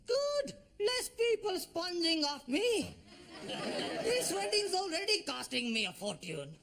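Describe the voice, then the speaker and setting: A pompous, penny-pinching father in a sitcom. His voice sits high and swoops widely as he blusters. He takes his time over every indignant word. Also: very animated, slow, gravelly, crowd noise, full character voice. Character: pompous stingy middle-aged Pakistani father. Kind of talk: sitcom acting.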